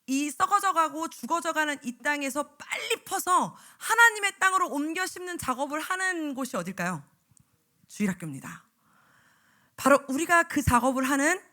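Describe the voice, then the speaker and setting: Animated, bright-voiced woman preacher. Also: high-pitched. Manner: animated, acts out voices of teachers and children. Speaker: evangelist preacher. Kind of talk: lively sermon to church teachers. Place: church sanctuary.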